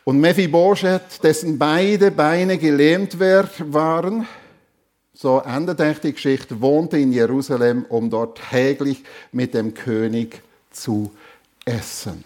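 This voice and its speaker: A male preacher with a Swiss German accent retells a scripture story in a sermon. His voice is light and high-set, and he delivers each line slowly and earnestly. He sometimes restarts a phrase midway through. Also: darkish tone.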